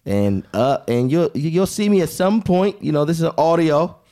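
A man co-hosting a casual sports podcast, joking and quick to agree. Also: fairly high pitch, very animated, warm tone. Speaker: podcast co-host.

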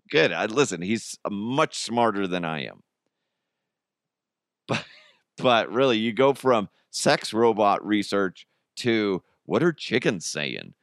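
A man's voice: fairly low pitch, lively intonation, slow pace, long pauses, no echo, clean studio sound. A man hosting a podcast with casual, jokey comedic commentary on the news. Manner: jokey, chuckles at own jokes. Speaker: podcast host.

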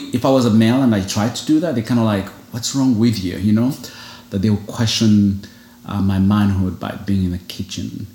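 An echoey room surrounds a fairly low, darkish male voice. The speaker, a single foster father from Uganda, reflects earnestly in a casual interview, scattering "you know" throughout.

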